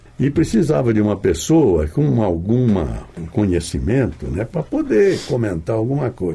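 A man talks at a fairly slow pace with very wide pitch swings. Noticeable background noise is present. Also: fairly low pitch for a man. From interior of São Paulo state and northern Paraná, Brazil. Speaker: veteran sports radio announcer and news anchor. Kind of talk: interview, telling his life story.

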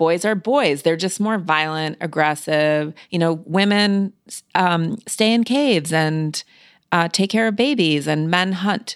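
With a normal speaking voice at a fairly low pitch, a woman speaks at a fairly slow pace and very even loudness on a very clean recording with a silent background. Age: 40s. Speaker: journalist and author. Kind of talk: interview.

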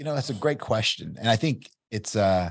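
An American man talks at a fairly quick pace in an unremarkable speaking voice. The sound is dry and close, with no echo. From Kentucky, US. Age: 40s. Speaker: entrepreneur. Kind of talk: interview.

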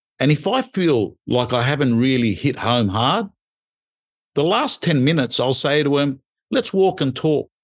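A man with an Australian accent, fairly high in pitch, with lively intonation, very even loudness and a quiet background. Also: moderate pace. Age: 50s. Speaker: real estate auctioneer and coach. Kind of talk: interview conversation.

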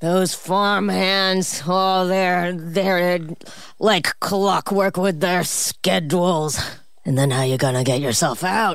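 A put-on character voice at a middle pitch drawls at a very slow pace in a very clean recording with a silent background. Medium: actual play. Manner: slow, genteel, nostalgic.

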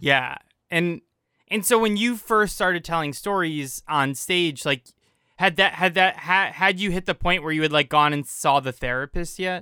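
At a moderate pace, a man with an American accent talks in a high pitch with a bright, sharp tone and ordinary pitch variation, recorded very cleanly against a silent background with dry, close sound and no echo. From United States. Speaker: podcast host. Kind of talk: casual interview.

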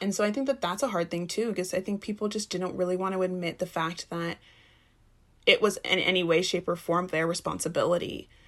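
Speaking at a fairly quick pace, a woman uses a plain, everyday voice at medium pitch with ordinary pitch variation. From Texas. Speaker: student activist and researcher. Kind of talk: interview.

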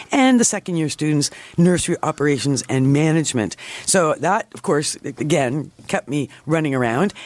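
Speaking with a Canadian accent, a man uses a plain, everyday voice with lively intonation at a moderate pace, in a dry, close sound with no echo. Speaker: radio gardening show host and expert. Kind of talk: radio call-in advice show. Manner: warm, chatty.

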